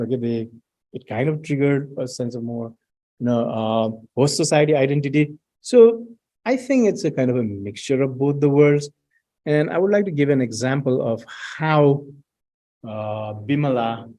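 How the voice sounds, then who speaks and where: A middle-aged man presenting research findings at an academic talk, pausing often with fillers and restarts. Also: medium pitch, dark tone. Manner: hesitant, many fillers and restarts, reads out student quotes.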